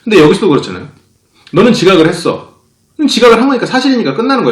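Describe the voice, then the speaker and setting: A man who runs a psychology talk channel, explaining a point and acting out short quoted lines as he goes. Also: on the high side. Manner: lively, acts out quoted speakers. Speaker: psychology channel director and lecturer. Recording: roomy echo.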